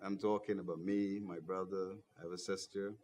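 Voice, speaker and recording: This young man from Guyana has a fairly low voice. He answers interview questions in an earnest, heartfelt way and fills his talk with "you know". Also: flat delivery, moderate pace, darkish tone. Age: young adult. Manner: earnest, repeats "you know", grows passionate. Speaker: party coordinator, guest.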